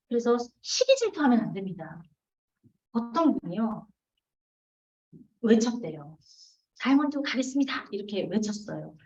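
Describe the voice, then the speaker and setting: A woman's voice: medium pitch, darkish tone. A woman in her forties giving a seminar talk on teamwork, often asking the audience questions and answering them herself. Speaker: business seminar speaker. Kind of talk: seminar lecture. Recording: roomy, distant, dull lo-fi hall recording.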